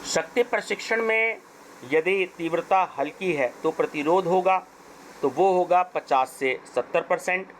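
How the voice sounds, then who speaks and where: A hoarse man with an Indian accent, teaching as he goes through an exam paper question by question. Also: sits high, slight background noise, rough recording. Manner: slow, deliberate question-and-answer reading.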